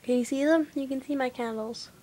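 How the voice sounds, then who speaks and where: A woman's voice: sits high, brisk, dark tone, slight background noise, rough recording. A young woman vlogging at home, rambling casually with lots of fillers and often slipping into a half-whisper. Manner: chatty, rambling, many "like" fillers. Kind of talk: casual vlog chat. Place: dim room at home lit by candles.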